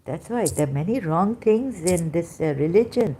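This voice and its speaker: Low, mellow-voiced woman speaking haltingly. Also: lively intonation, a little hiss or hum. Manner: halting, searches aloud for words, many fillers and restarts. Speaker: vlogger. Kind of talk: unscripted personal monologue.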